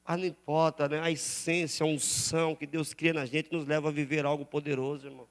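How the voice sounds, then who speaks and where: A Brazilian man preaching in a church, his voice sitting high for a man. He leads the congregation in call-and-response, urging them to repeat his lines and praise aloud. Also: little pitch movement, brisk. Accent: Brazilian Portuguese. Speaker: pastor. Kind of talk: sermon. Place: church sanctuary.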